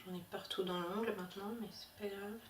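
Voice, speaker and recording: A woman's voice: mid-range voice, fairly even intonation, brisk, recorded from a distance, slight background noise. Chatty woman in an echoey room. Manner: chatty, hesitant with many fillers. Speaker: beauty vlogger. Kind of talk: casual haul video chat.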